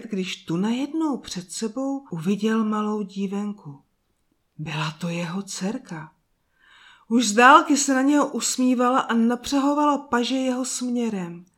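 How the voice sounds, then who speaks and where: A woman narrating a fairy tale in a slow, soft storytelling manner with drawn-out pauses. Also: mid-range voice.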